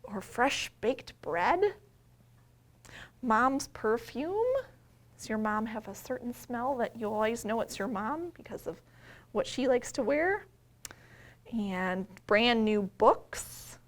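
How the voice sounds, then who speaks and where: A woman with an American accent and a notably high voice speaks to young children as a story-time host. She uses simple, explanatory phrasing suited to little listeners, in the style of a librarian's read-aloud. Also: animated, a little slow.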